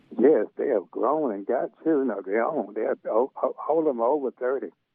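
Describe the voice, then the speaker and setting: A man with a Southern US accent, at a fairly quick pace. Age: 60s. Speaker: caller. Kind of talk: phone-in question. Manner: halting. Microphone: hard to hear through phone line.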